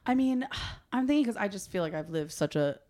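A woman's voice: medium pitch, lively intonation, fairly quick, warm tone. A young woman, a comedian guest, chatting casually on a podcast, laughing often and trailing off with filler words.

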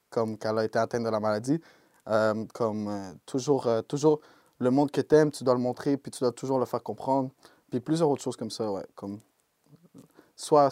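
A young man with a Québécois French accent, a rapper answering interview questions in a relaxed way and dropping English slang. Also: mid-range voice, no room sound, studio quality. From Quebec, Canada. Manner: laid-back, peppered with English slang like "yo" and "bro". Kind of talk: casual interview talk.

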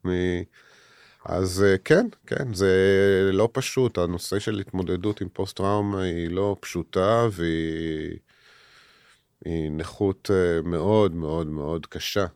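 A man in his fifties talks in an interview, slowly and earnestly, stopping often to restart his sentences. His voice sits very low and sounds smooth and clear. The sound is dry and close. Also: darkish tone, no echo. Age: 50s. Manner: halting, many hesitations and restarts; earnest, heavy. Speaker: guest, author and army veteran. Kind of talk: personal interview talk.

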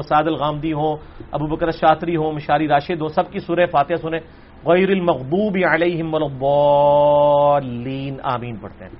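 Animated man lecturing. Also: sits high, dull audio. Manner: forceful, animated, swings between loud emphasis and quiet asides. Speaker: religious scholar answering questions.

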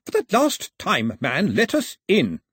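A man voicing an imperious, impatient gentleman of the Crown in a formal, commanding, clipped manner for an audiobook. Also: high-pitched, sing-song, a little fast, slightly rough, no room sound, clean studio sound, pitched above the performer's own voice, exaggerated voice. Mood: loud, exasperated.

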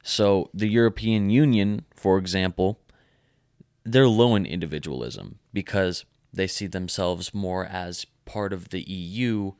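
A man's voice: low-pitched, a little slow, a little mellow, smooth, no room sound, clean studio sound. A young American man in casual conversation, explaining sociology ideas in a lecturing way. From United States. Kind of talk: casual chat.

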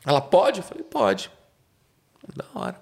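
A man's voice: high-pitched, big pitch swings, unhurried, gravelly, darkish tone, slightly rough. A man from Brazil telling stories as a podcast guest in casual slangy talk, acting out quoted dialogue. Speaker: podcast guest, car salesman. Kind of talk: casual storytelling.

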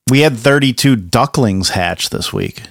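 A man's voice: mid-range voice, animated, a little slow, creaky, no room sound. A man co-hosting a podcast, a little sick, telling stories in a dry, matter-of-fact way. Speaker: podcast co-host.

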